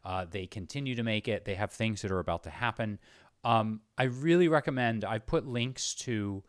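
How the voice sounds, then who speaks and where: Earnest male host, fairly low voice. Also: normal speed, no echo, clean studio sound. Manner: earnest, effusive praise of guest. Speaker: show host. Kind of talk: casual interview chat.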